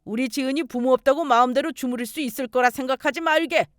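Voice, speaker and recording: A woman's voice: high-pitched, quick pace, no echo, clean studio sound, natural voice. A woman voicing a stern, commanding older uncle who orders unwanted guests out. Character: stern protective older uncle, a police detective.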